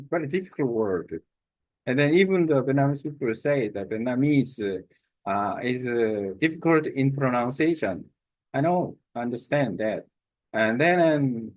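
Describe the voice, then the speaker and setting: Halting man, slow and hesitant. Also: mid-range voice, no room sound. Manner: halting, many fillers and restarts. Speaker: language learner. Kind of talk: casual self-recorded talk.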